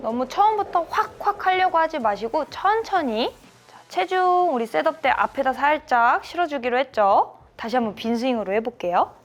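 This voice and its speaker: A woman's voice: sits high, lively intonation, moderate pace. A woman golf instructor coaching a student through swings, encouraging them and calling out sound cues like "bang" on each hit. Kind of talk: hands-on golf lesson coaching.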